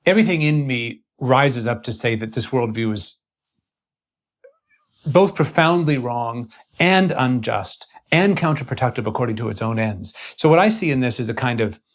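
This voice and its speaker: A man with a mid-pitched voice leads a thoughtful, long-form conversation. He speaks earnestly and deliberately, sometimes halting and repeating words as he works toward his point. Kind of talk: intellectual conversation.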